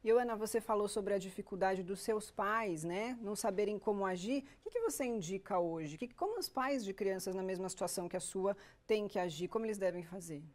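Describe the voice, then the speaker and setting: Brazilian woman hosting a tv chat show, middle pitch, keeps asking questions. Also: lively intonation, a little mellow. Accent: Brazilian Portuguese. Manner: engaged, prompting with questions and quick agreements. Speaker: TV presenter. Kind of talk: talk show interviewing.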